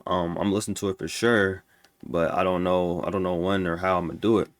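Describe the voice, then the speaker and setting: Man, very deep voice, stuffy nose, rambling casual reviewer, dry close sound. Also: little pitch movement, fast talker, no room sound. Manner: rambling, many restarts and fillers. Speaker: music reviewer. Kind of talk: casual album ranking talk.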